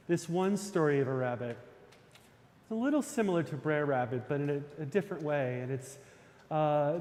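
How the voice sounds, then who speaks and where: A man's voice: fairly high pitch, a little mellow. A male minister from New Jersey preaching a sermon, conversational and easygoing, with fillers and restarts as he tells a story. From New Jersey, USA. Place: church sanctuary. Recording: long church reverb.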